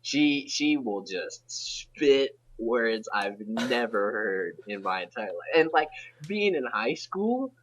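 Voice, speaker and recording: A teenage man hosting a casual podcast chat, rambling with halting restarts. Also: medium pitch, big pitch swings, slight background noise, rough recording. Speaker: podcast host.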